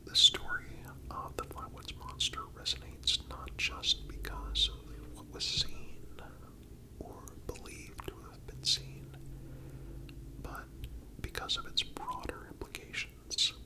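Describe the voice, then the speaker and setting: A narrator speaking entirely in a breathy whisper, reading a scripted story in ASMR style with deliberate, measured phrasing. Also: very high-pitched, low-quality recording.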